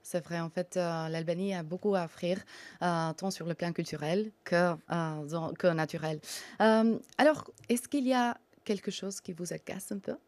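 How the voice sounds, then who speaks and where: A woman's voice: fairly low pitch, normal speed, darkish tone, no room sound. Woman hosting, dry studio sound. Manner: polite, welcoming. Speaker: talk show host. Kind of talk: radio interview.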